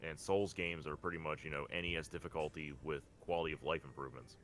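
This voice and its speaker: Bright, forceful, very deep-voiced man. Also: fast, a little hiss or hum. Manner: blunt, sweary, animated phrasing. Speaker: podcast co-host. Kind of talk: casual video game discussion.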